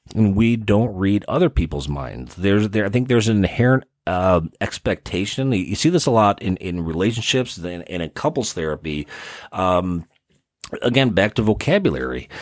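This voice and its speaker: With a slight Midwestern US accent, a man speaks at a moderate pace and fairly low pitch with lively intonation, in a very clean recording over a silent background. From US Midwest. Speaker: neuropsychologist podcast host. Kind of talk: educational talk about psychology, solo episode. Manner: halting, many fillers.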